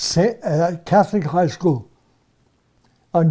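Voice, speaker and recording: At a very slow pace, a man with a Montreal accent speaks in a high pitch with a dark, mellow tone. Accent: Canadian English (Montreal anglophone). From Montreal, Quebec (English-speaking, east end). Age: 90s. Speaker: retired pharmacist. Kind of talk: interview. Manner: halting, with hesitations.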